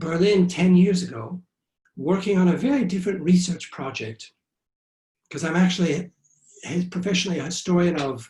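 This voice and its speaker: The speaker has an American accent and takes long, frequent pauses. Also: man. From United States. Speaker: historian, professor. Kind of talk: book talk presentation.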